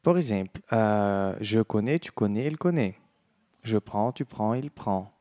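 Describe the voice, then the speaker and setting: A man with a Brazilian Portuguese accent, teaching a French lesson and slowly modeling each phrase clearly. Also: lowish voice, animated, dark tone. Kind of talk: language lesson.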